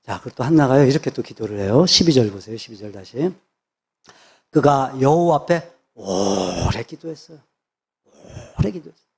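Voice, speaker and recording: Husky emphatic man preaching a sermon. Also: mid-range voice, darkish tone. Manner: emphatic, repeats phrases for stress. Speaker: pastor.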